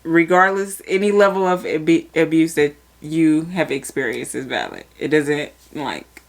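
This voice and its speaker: This is a young woman co-hosting a casual podcast. Her voice sits a little low. She talks in loose slang, swears without a second thought and laughs often as she goes. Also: animated, unhurried. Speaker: podcast co-host. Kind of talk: casual chat.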